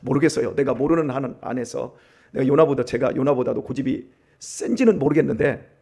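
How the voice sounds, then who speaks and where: A male pastor giving an early-morning sermon, emphatic, swinging between loud and hushed. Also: mid-range voice, brisk, breathy edge. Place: church.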